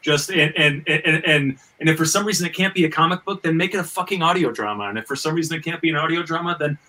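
A man's voice: fairly high pitch, quick pace, bright, forceful tone, far from the mic. A man chatting casually and emphatically on a panel, repeating words in a stammer and swearing freely.

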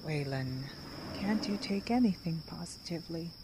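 An actress playing a level-headed woman who tries to keep the peace, speaking in a measured, placating way in an audio drama. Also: fairly low pitch, animated, noisy background. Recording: music bed under voice.

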